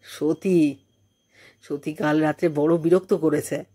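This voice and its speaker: Woman reader as married man, matter-of-fact friend, lowish mellow voice, familiar tone, audiobook story. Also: steady tone, takes it slowly, slightly rough, heavily acted.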